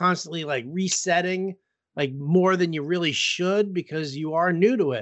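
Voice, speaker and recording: Loud and animated, a man talks at a moderate pace in a high voice with ordinary pitch variation. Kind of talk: casual chat.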